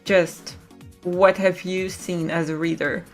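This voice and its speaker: A woman hosting a podcast roundtable, moderating the discussion with some hesitant, pausing phrasing. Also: on the low side, level tone, faint music behind. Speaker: podcast host.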